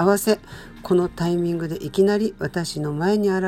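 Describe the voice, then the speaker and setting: A woman speaks at a fairly low pitch with music in the background. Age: 40s. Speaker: podcast host and painter. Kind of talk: casual talk answering listener mail. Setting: late-night solo radio talk.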